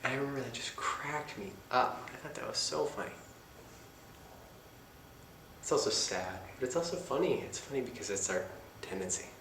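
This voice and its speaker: A man giving a meditation talk in a soft-spoken, reflective manner, with casual asides. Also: mid-range voice, expressive, fairly quick, a little hiss or hum. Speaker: meditation teacher. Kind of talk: dharma talk. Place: meditation center hall. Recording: echoey meditation hall with faint ambience.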